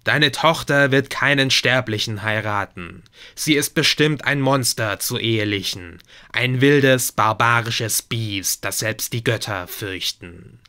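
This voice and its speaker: A man voicing an oracle woman speaking in a deep, slow, solemn prophetic voice. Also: bright, forceful tone, clear, resonant tone. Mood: solemn doom. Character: oracle woman booming with a god's voice.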